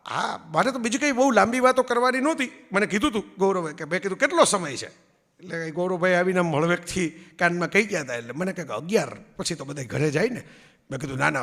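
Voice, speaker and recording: A man's voice: high-pitched, fairly bright tone, big-room sound. A man giving a public speech to an audience, telling anecdotes and checking in with listeners. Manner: storytelling, acts out quoted voices, asks audience "barabar?". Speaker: public speaker. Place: event hall before an audience.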